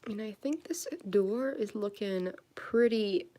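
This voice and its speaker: A woman's voice: mid-range voice, takes it slowly, warm tone, a little hiss or hum. A nineteen-year-old woman vlogging at her desk, rambling casually with little laughs and fillers while she crafts. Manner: chatty, giggly, rambling with many fillers. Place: indoors at a desk.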